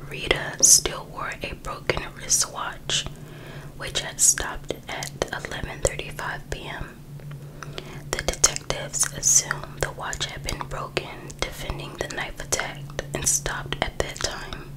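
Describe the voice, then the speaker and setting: A woman reading a book aloud for ASMR in a breathy, unvoiced whisper, pausing between short phrases. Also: poor audio. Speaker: ASMR creator.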